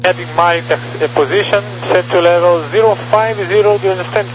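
A man's voice: sits high, steady tone, moderate pace. A man speaking clipped air traffic phraseology over a two-way aviation radio. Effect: heard over a two-way aviation radio. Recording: noisy radio transmission.

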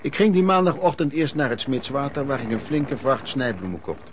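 A man's voice: mid-range voice, fairly quick, slight background noise, close to an everyday voice. An actor playing a former street peddler who frankly recounts his youth as radio play narration, in a conversational way. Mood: reflective. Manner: conversational storytelling.

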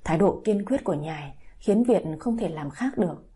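A woman's voice: fairly low pitch, lively intonation, moderate pace, mellow, breathy edge. A woman reading a dramatic audio story, with emotive scripted narration.

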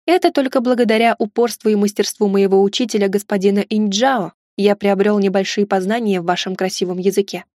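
A woman reading the lines of a young Venetian navigator in an audiobook, respectful and deliberate. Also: mid-range voice, fairly even intonation, darkish tone, dry recording, clean studio sound, lightly acted. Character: young Venetian male navigator, polite hero.

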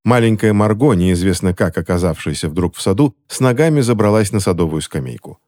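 A man reading a fantasy novel aloud as an audiobook narrator, in a steady, dramatic way. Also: sits low, fairly quick.

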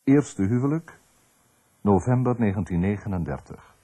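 A man presenting on radio, reading scripted narration in clipped, measured phrases like a list, with pauses. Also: lowish voice, expressive, dark tone.

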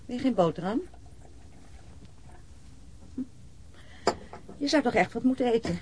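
An actress playing a nagging, thrifty middle-aged wife, fretful and reproachful, in an old radio play. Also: female voice, fairly high pitch, expressive, measured pace, warm tone, slightly rough, rough recording. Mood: fussing, concerned. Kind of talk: naturalistic radio play acting.

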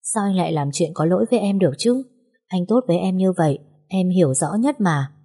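A woman voicing a gentle young wife, speaking softly and politely. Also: on the low side, expressive, fairly quick, breathy edge. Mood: tender. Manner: soft, polite, pleading.

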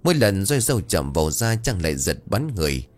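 A man narrating a scripted horror story in a dramatic, expressive way. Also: low-pitched, a little fast. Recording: faint background music.

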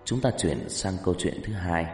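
Low-voiced male horror storyteller. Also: expressive, normal speed, a little mellow. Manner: storytelling, addresses listeners directly. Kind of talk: dramatic horror narration. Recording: roomy reverb with faint music.

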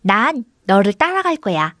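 A woman's voice: medium pitch, sing-song, unhurried, bright, forceful tone, no echo, clean studio sound. A woman voicing a small white talking goat that repeats everything it hears in a raised, childlike voice. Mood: mimicking.

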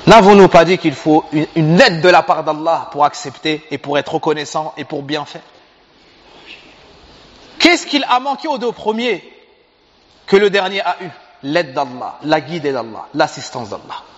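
Brief: high-pitched male preacher, animated storytelling, long hall echo. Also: normal speed. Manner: animated, asks the audience questions. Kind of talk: sermon storytelling. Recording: reverberant hall, dull sound.

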